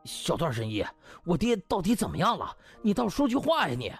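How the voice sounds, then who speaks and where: A man voicing a hot-headed, grieving son who shouts accusations in a comic audiobook. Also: high-pitched, wildly swooping pitch, a little fast, husky, faint music behind, voice pushed up, heavily acted. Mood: anxious, demanding. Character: enraged, grieving son of a patient, shouting for vengeance.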